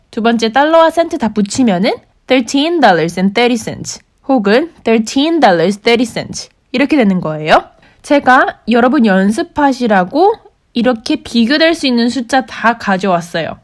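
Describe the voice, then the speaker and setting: A young woman giving a patient, clear lesson on saying prices in English, slowing down to model each word. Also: a little high. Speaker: English teacher for working holiday makers. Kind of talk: explanatory language lesson.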